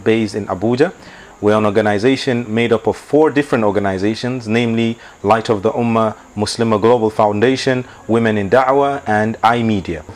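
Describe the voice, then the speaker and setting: A man in his thirties, leader of an organization, giving a measured, formal scripted address in a library on a lapel mic. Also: lowish voice. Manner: measured, formal, opens with Arabic blessings. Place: indoor library with bookshelves.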